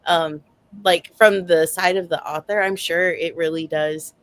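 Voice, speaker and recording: Woman with lowish voice, casual panelist. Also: fairly even intonation, unhurried. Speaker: book club panelist. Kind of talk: casual chat.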